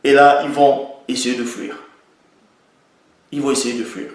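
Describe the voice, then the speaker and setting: A man's voice: mid-range voice, little pitch movement, unhurried. A man giving an opinion monologue and citing the Bible, emphatic and repeating his points for stress. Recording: very echoey room.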